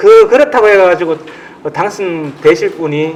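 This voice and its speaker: Over noticeable background noise, a man speaks with a strong Gyeongsang accent. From Gyeongsang Province, South Korea. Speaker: election commission official. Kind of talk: briefing session. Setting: meeting room with audience. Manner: casual, filler-heavy.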